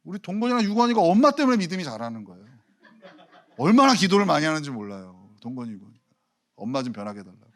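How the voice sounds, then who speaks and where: A man preaching a Sunday sermon as pastor, animated, swinging from soft asides to loud emphasis. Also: a little high, quick pace. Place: church sanctuary.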